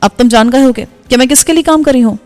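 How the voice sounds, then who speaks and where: A woman voicing a bold, forward young woman who talks quickly and frankly. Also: sits high, darkish tone, long reverb tail, faint music behind, lightly acted.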